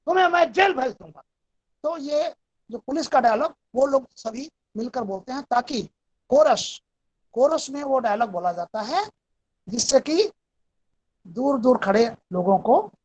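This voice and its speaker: Brief: female lecturer, high voice, calm and methodical, walks students through each point of a recorded class. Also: dull audio. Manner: explanatory, steady and methodical.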